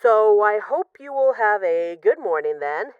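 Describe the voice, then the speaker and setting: A woman's voice: medium pitch, expressive, measured pace, clean tone, no room sound, phone-quality sound, lightly acted. A woman playing an affectionate, wry mafia boss who misses her partner, rambling hesitantly through intimate voicemails in an audio roleplay. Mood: playful, fond. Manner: hesitant, sighing, wry, conversational.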